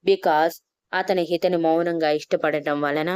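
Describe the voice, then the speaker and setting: A woman storyteller reading a scripted love story in a steady, even way. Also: deep voice, unhurried, clear, resonant tone, dry recording. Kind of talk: scripted narration.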